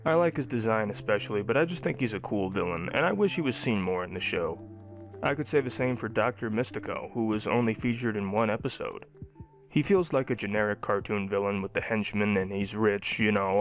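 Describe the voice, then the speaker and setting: A young adult man narrating a scripted cartoon review. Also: fairly low pitch.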